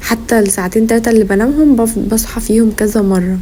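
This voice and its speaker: A woman speaks with an Egyptian accent. Noticeable background noise can be heard. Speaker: lifestyle vlogger. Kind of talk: casual cooking vlog.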